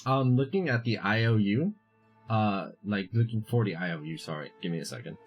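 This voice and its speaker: A man's voice: fairly low pitch, expressive, a little fast, soft background music. A man running a tabletop game as game master, narrating and explaining in a hesitant way.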